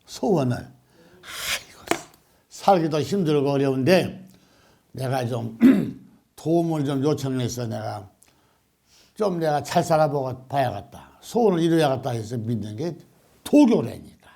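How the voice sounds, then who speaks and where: Animated older monk preaching. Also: male voice, mid-range voice, normal speed, creaky, husky. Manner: animated, questioning the audience, laughing. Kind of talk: Buddhist dharma talk to a congregation.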